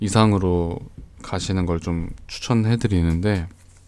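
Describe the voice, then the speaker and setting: Speaking at a very slow pace, a man has a very deep, low pitch. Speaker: used car reviewer / channel host. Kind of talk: casual talk to camera, sleep-friendly used car review. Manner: slow, calm, soft-spoken.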